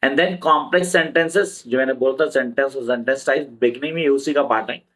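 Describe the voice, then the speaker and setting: Indian tutor drilling exam points. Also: male voice, mid-range voice, fairly bright tone, rough recording. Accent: Indian English. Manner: switches between slow repeated English terms and quick Hindi explanations. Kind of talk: exam-prep lesson.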